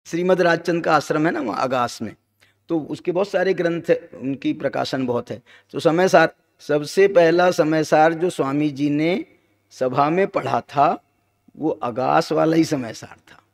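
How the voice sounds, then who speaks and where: A man's voice: a little high, vocal fry. Man teaching scripture in a reverberant hall. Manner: chants verses slowly, jokes with listeners. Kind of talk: Jain scripture discourse. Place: ashram hall.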